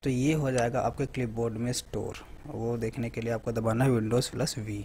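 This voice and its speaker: A man hosting a tech tutorial, talking casually through a software demo and often checking in with the viewer. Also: medium pitch, steady tone, normal speed, a little hiss or hum. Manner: conversational, repeats "theek hai" often. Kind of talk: screen-recorded software walkthrough.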